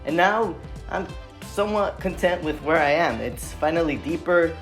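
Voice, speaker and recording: A man's voice: fairly high pitch, animated, normal speed, fairly bright tone, soft background music. A young trans man talking casually and reflectively in a vlog update, with many "like" and "um" fillers. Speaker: vlogger.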